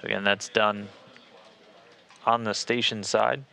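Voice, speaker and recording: An American man giving live spaceflight commentary from mission control in a measured, matter-of-fact, procedural manner, like a space communicator. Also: fairly low pitch, flat delivery, creaky, bright, forceful tone.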